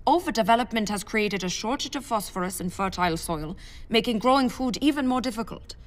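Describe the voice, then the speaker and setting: Woman playing a measured, practical fleet specialist. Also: on the high side, animated, natural voice. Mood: persuasive. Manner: explanatory, measured. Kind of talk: science fiction audio drama acting.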